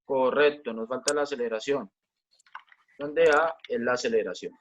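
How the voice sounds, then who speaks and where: A man's voice: medium pitch, normal speed, highs cut off, a little hiss or hum. A man teaching a physics class online, explaining step by step, repeating key points and asking the students questions.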